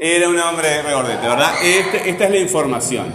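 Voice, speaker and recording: A male teacher, patiently drilling a class and repeating phrases slowly. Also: fairly high pitch, expressive, background noise. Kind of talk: classroom lesson. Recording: echoey classroom with long reverb.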